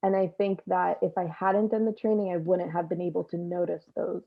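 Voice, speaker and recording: A woman's voice: fairly low pitch, flat delivery, a little fast, vocal fry. A young adult woman talking casually and reflectively as an interview guest, over tinny call audio. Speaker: actor, panel guest.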